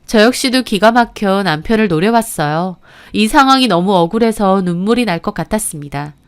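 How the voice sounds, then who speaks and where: A woman's voice: medium pitch, animated, a little fast, clear, resonant tone. A woman narrating her own life story in the first person, in the earnest style of a radio story.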